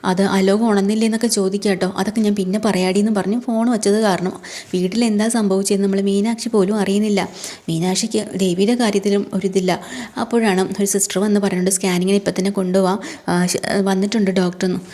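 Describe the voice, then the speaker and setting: A woman's voice: medium pitch, fairly even intonation, fast, mellow. A woman casually retelling a television serial episode, chatty and colloquial with frequent tag words and fillers. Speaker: serial recap narrator. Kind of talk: casual spoken story recap.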